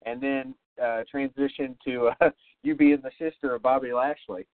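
A man hosting a podcast, asking halting questions that he often restarts. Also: medium pitch, fairly even intonation, dry recording. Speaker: podcast host. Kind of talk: interview questions. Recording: tinny phone-line audio.

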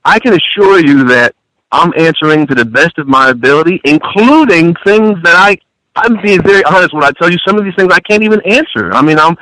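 A man's voice: on the high side, animated, fairly quick, sharp tone, dry recording, rough recording. A man born in France, a guest on a call-in radio show, defending himself and restarting his words often.

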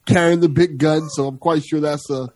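A man's voice: on the high side, fairly even intonation, normal speed, darkish tone. A man taking part in a podcast conversation, laid-back and joking in a casual chat. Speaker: podcast guest.

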